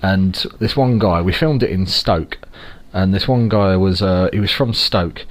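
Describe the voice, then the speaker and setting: A man's voice: low-pitched, a little slow. A young man with a London accent, co-hosting a podcast in loose, jokey chat full of fillers. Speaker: podcast co-host. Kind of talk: casual chat.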